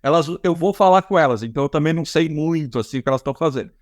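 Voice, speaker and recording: A man's voice: on the high side, expressive, very fast, no echo, studio quality. A man with a Brazilian accent hosting a casual podcast interview, talking in loose, rambling sentences full of restarts and fillers. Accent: Brazilian Portuguese. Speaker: podcast host.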